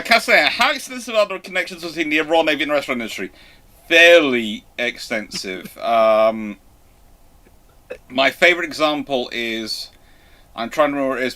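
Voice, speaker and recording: A man's voice: medium pitch, expressive, moderate pace, sharp tone. A man hosting a live question-and-answer stream, talking in a chatty, rambling way. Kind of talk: casual live Q&A chat.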